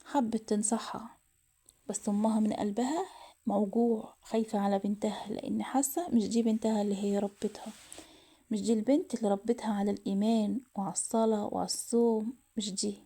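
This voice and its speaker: A woman's voice: mid-range voice, steady tone, fast talker, mellow, husky. A woman with an Egyptian accent narrating a moral family story, emotional and often half-whispered. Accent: Egyptian Arabic.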